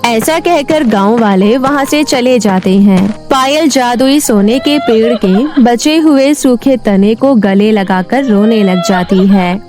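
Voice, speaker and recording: A woman's voice: on the high side, slow pace, few pauses, a little mellow, faint music behind. A woman reading scripted narration for a children's moral story, as the storyteller.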